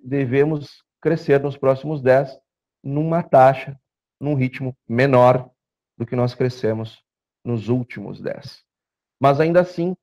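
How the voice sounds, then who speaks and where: A man in his thirties giving an animated conference lecture, speaking into a handheld mic in a meeting room. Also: medium pitch. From southern Brazil. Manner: animated, gestures while presenting slides, rhetorical asides. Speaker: chief economist giving a seminar talk. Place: meeting room with projector screen, indoors. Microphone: handheld mic, filmed by a far camera. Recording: dull lo-fi room recording.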